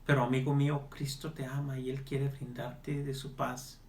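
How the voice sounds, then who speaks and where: A man's voice: mid-range voice, flat delivery, normal speed. A male evangelist pastor leading a televised Bible study and prayer, earnest and pleading as he speaks straight to the listener.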